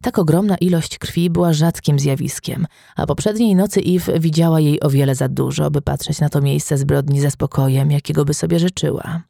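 A man narrating a crime novel audiobook in a steady, even storytelling manner. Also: a little high, moderate pace, gravelly, no echo, studio quality.

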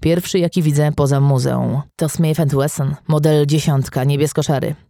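A man's voice: a little high, steady tone, moderate pace, gravelly, warm tone, dry recording. Guy reading an older cop who loves old guns, dry and matter-of-fact, close dry mic. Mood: fond. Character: older male police colleague, gun history buff.

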